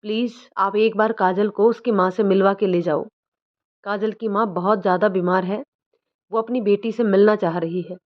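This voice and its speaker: A woman's voice: medium pitch, steady tone, moderate pace, close to an everyday voice. A woman voicing a worried father who pleads politely on the phone, in a dull lo-fi recording. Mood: pleading.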